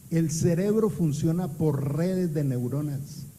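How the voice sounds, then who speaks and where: Somewhat breathy and dark, mellow in tone, a man's voice shows ordinary pitch variation amid audible room echo. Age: 70s. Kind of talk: sermon.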